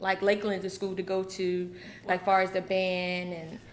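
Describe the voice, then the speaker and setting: A woman hosting a podcast interview, upbeat and chatty, jumping in with quick remarks. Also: fairly low pitch, monotone, a little hiss or hum. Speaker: podcast host.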